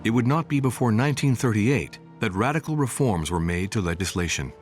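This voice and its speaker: A man narrating a documentary from a script in a measured storytelling manner. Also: lowish voice, lively intonation. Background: music bed.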